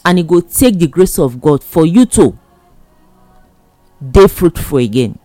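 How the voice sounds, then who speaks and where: Nigerian accent, Pidgin speech, unhurried pace, exhorting advice, emphatic repetition, music behind. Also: medium pitch, lively intonation, dark tone, dry recording.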